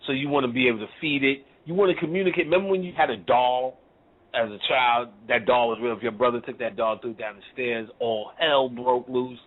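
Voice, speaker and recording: A man's voice: mid-range voice, fairly even intonation, fairly quick. A man giving a casual spiritual talk to a caller, blunt and profane, in street slang, laughing often. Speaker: spiritual teacher. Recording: tinny phone-like audio.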